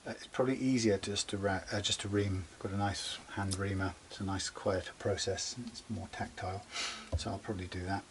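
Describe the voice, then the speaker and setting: Low-voiced man explaining guitar work. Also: fairly even intonation, a little fast, few pauses, noisy background. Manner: rambling and chatty, drifts into quiet muttering while working. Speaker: guitar repair demonstrator. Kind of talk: casual workshop how-to talk.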